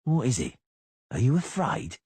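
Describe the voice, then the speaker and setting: A man's voice: medium pitch, wildly swooping pitch, moderate pace, warm tone, slightly rough, no echo, voice pushed up, full character voice. A man voicing a menacing black-haired killer in an audiobook, who drawls and hisses his words. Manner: drawling, hissing.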